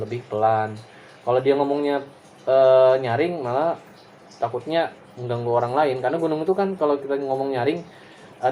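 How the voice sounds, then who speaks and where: A man's voice: mid-range voice, dark tone. A man giving a loose, conversational lecture to his class, full of fillers and tag questions, over a faint background hiss. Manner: casual and digressive, many fillers and tag questions. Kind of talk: recorded class explanation.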